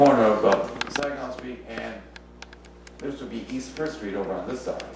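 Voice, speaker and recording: Against noticeable background noise and audible room echo, a man with an American accent talks at a moderate pace with fairly even intonation. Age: 60s. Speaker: local historian and author. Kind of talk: slideshow lecture. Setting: historical society meeting with audience. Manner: halting, many fillers.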